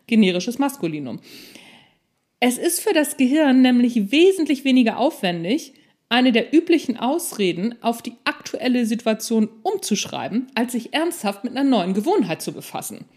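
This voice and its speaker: A woman's voice: fairly high pitch, a little mellow. A woman hosting a solo podcast in an informal, conversational way, addressing the listener directly with self-deprecating humour. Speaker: podcast host and non-fiction author.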